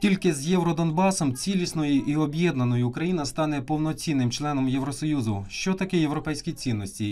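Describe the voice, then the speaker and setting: Talking at a fairly quick pace, a man uses a normal speaking voice that sits fairly high in pitch, with ordinary variation in pitch. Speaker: TV reporter. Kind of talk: news report narration.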